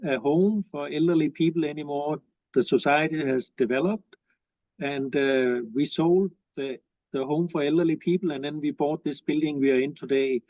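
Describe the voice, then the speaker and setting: A man from Denmark with a Danish accent, answering interview questions in halting speech with many pauses. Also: on the high side, a little mellow, no room sound, muffled recording. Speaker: guest, executive director of a cultural association.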